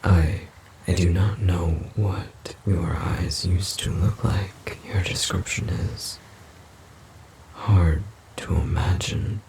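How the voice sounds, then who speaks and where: A man playing a gentle, puzzled forest demon in an audio roleplay, speaking haltingly and formally in a breathy, gravelly half-whisper. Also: low voice, steady tone, exaggerated voice, poor audio. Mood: tender, fascinated. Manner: halting, formal, literal-minded speech. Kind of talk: audio roleplay, slow character acting.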